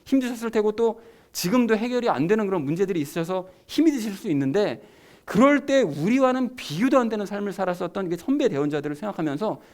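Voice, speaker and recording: Lively fast-talking male pastor. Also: high-pitched. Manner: conversational, emphatic, addresses congregation directly. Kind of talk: sermon.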